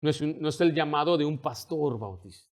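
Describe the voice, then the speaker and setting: A man with a high-pitched voice delivers a sermon as a pastor. He builds in intensity as he goes and slips into the voices of the people he quotes. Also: lively intonation, brisk. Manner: preaching with rising intensity, acting out quoted dialogue.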